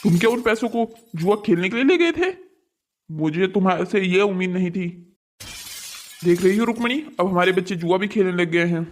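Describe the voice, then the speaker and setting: A man's voice: high-pitched, lively intonation, fairly quick, a little hiss or hum. A man voicing a stern, exasperated father who scolds sarcastically in a cartoon moral story. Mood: outraged.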